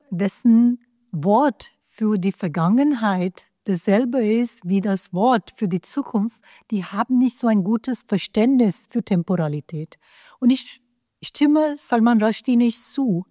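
A woman's voice: medium pitch, warm tone, no echo, studio quality. A woman whose first language is Hindi, a professor of political theory, answering interview questions earnestly with hesitations and self-corrections.

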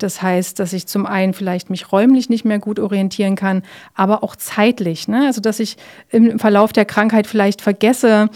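A woman giving calm, explanatory answers in an interview, with frequent fillers and tag questions. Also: medium pitch.

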